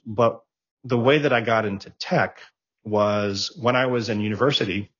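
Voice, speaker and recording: A man's voice: on the low side, fairly bright tone, slightly rough, highs cut off. A middle-aged man in a casual interview, a rambling storyteller who restarts and repeats words as he goes. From raised abroad, born in Japan, raised in Germany. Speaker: interview guest, tech professional.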